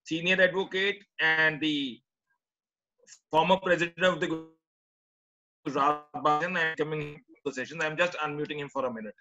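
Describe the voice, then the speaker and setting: A man with an Indian accent hosts an online session in a deferential, informal way. His voice is bright and a little high, heard through a slightly dull video-call connection. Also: steady tone, moderate pace, pauses often. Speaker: webinar host. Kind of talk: casual moderating of a webinar.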